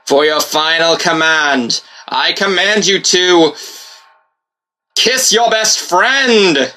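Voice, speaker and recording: A man's voice: high voice, slow, pushed and bright, exaggerated voice. A man playing a boastful stage hypnotist, showy and commanding, in a fan fiction audio drama. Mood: commanding, theatrical.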